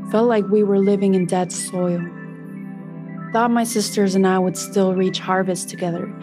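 An earnest, sorrow-touched young maize plant played by a woman tells its own story. The delivery is scripted, deliberate and emotive, in a mid-range voice with light music underneath. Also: mid-range voice, fairly even intonation, lightly acted. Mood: weary, wistful. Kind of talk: scripted first-person story narration.

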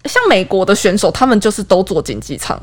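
A woman co-hosting a casual chat, explaining vocabulary and answering with quick agreements. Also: medium pitch, very animated. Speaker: co-host, translator.

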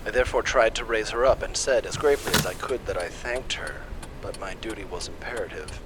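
An actor playing a grave, formal reader of an old gothic journal in dramatic, measured literary narration. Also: male voice, lowish voice, natural voice. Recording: loud vehicle noise behind narration.

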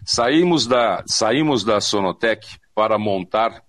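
A man's voice: fairly low pitch, takes it slowly, no room sound, clean studio sound. An older Brazilian man telling anecdotes casually as an interview guest, repeating phrases for emphasis and acting out what people said. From São Paulo, Brazil. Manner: animated, acts out quoted speech, repeats phrases for emphasis. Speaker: interview guest, veteran of advertising audio and voice work. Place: remote online conversation.

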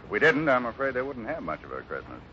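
A man's voice: mid-range voice, huge pitch swings, fast, bright, forceful tone. An actor playing a kindly, fatherly American ranch boss in a 1950s radio Western. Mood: friendly. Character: steady, kindly adult cowboy ranch boss. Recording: muffled, hissy 1950s radio recording.

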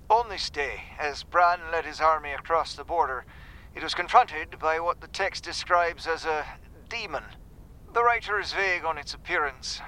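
Scholarly man reading translation notes, measured and academic, bright and crisp , played by a man. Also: fairly high pitch, rough recording. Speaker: translator's commentary reader. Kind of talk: document reading in audio drama.

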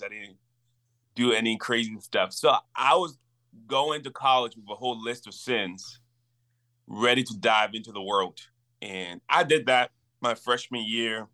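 A man in his twenties, originally from Liberia, speaks as a guest on a podcast. His voice is bright and forceful, and he tells his story in an earnest, animated way. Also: on the low side. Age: 20s. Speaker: campus minister, guest. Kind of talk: casual interview storytelling.

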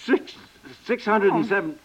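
An actor playing an impatient, easily alarmed American husband in a 1950s radio comedy, hesitant, stammering and repeating himself. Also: male voice, high-pitched, measured pace. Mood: alarmed, flustered. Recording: dull 1950s radio recording.

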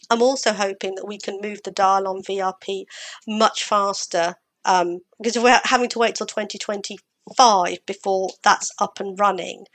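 A woman's voice: medium pitch, fairly bright tone. A woman guest on a podcast panel, giving frank opinions with some hesitant fillers. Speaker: podcast guest, industry chair. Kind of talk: panel discussion.

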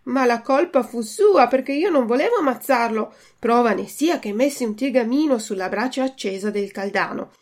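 A woman's voice: a little high, lively intonation, moderate pace, few pauses. A woman voicing a hungry, fussy wooden puppet boy in a storybook reading, whiny and petulant. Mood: complaining.

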